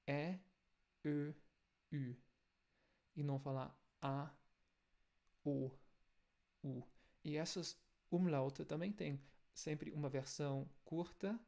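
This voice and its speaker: Gravelly German-accented man teaching sounds. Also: a little high, mellow. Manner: explains step by step, repeats example sounds slowly. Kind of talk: language lesson video.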